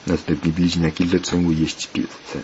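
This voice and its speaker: A man reads a children's story aloud in a slow, flat, plain manner. His voice is extremely deep. The recording is dull and lo-fi, with faint hiss underneath. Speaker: narrator.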